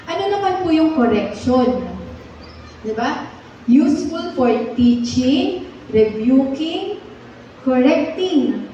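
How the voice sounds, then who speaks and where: A high-voiced woman gives a Bible lesson, often turning questions to the congregation. She stands away from the microphone in a hall full of echo. The sound is dull and muffled, with a faint hiss behind her. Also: darkish tone, far from the mic. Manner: teaching, with frequent questions to the congregation. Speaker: church Bible teacher. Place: church hall.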